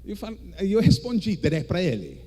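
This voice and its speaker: A male preacher with an English-speaking foreign accent, delivering a theatrical charismatic sermon in halting, non-native speech. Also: high-pitched, wildly swooping pitch, dark tone, slight background noise. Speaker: guest preacher. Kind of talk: charismatic sermon in Portuguese as a second language.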